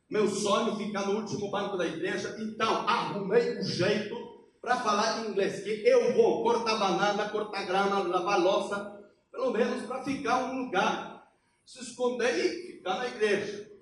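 A man from Poland with a Polish accent preaches an impassioned, emphatic sermon in halting non-native Portuguese. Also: high-pitched. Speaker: missionary preacher. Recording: very echoey hall, distant, faint noise.

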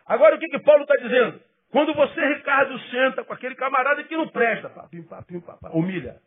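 A male pastor preaching a lively sermon, talking straight to his listeners and acting out their objections. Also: extremely high pitch, fast, husky. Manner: animated, addresses listeners directly, mimics objections. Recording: tinny phone-like audio.

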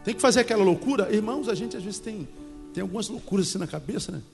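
A middle-aged man preaching a sermon, lively and humorous, mimicking the people he talks about. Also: sits high, fast talker, vocal fry, in a large hall, soft background music. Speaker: pastor.

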